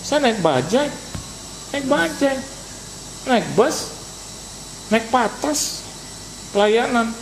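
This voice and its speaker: A middle-aged male pastor preaching a sermon, animated, acting out conversations and mixing in English phrases. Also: very high-pitched, extremely slow, pauses often. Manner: animated preacher who acts out dialogues and drops English phrases. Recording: noisy live sermon recording.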